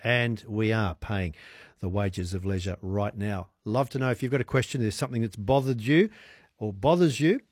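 A man's voice: fairly low pitch, moderate pace, darkish tone, no room sound, clean studio sound. Australian man in his sixties hosting radio. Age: 60s. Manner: chatty, enthusiastic, wordplay. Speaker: radio host. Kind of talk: evening talkback radio.

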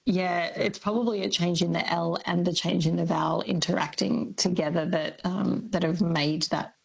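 Husky, gravelly Australian woman explaining things. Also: lowish voice, steady tone, normal speed, low-quality recording. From Melbourne, Australia. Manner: thoughtful, with many ums and likes. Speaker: language expert guest. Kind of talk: explanatory radio chat.

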